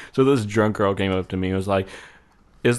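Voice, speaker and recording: In a plain, everyday voice, a man speaks at a moderate pace with fairly even intonation. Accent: American. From New York. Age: 20s. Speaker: musician. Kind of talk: casual interview. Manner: casual, slangy.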